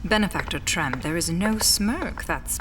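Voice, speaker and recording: An actress playing a proud, scheming senior official in a science fiction audio drama, formal and poised. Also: female voice, lowish voice, lively intonation, unhurried, noisy background. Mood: defensive pride. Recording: long reverberant hall, music behind.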